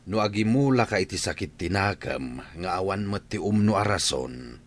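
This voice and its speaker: A man's voice: low-pitched, lively intonation, moderate pace. A man voicing a father-in-law in an audio drama, reasoning and consoling. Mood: counselling. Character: older man, the father-in-law, advising calmly.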